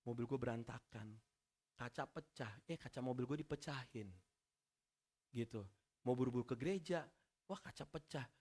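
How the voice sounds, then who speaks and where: A man preaching a sermon in a church, telling stories with slang and bursts of shouted reenactment. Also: medium pitch, moderate pace, long pauses. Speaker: pastor.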